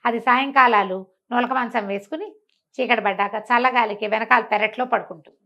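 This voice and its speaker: A woman with a somewhat high voice narrates a comic folk tale. She tells it in a chatty, animated manner, circling back over phrases as she goes. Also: brisk, vocal fry, muffled recording. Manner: conversational, repeats phrases and acts out dialogue. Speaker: storyteller.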